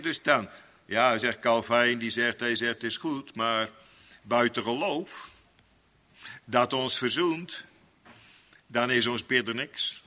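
A man preaching a sermon, swinging between loud, sung-out passages and quiet, low asides. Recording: long church reverb.

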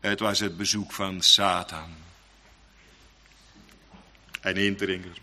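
A man preaching a sermon in a dramatic, emphatic style, with sudden loud outbursts. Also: low-pitched, level tone, slow pace, long reverb tail.

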